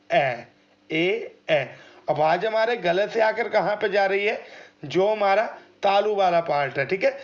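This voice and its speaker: A man's voice: high voice, lo-fi sound. A man teaching an exam prep lesson, explaining step by step, asking questions and answering them himself, and sounding out letters for his listeners. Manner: addresses listeners as friends and demonstrates sounds aloud.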